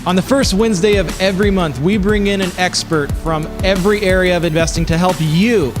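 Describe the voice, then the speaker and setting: Brief: upbeat man, high voice, promo intro with clear music underneath. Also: fairly quick. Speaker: co-host. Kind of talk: scripted show intro. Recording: voice over music bed.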